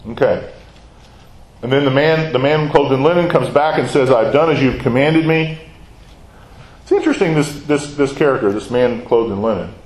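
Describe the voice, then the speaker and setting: A man's voice: medium pitch, normal speed, darkish tone, reverberant, rough recording. A man teaching a Bible study, talking in a conversational way and asking his listeners questions.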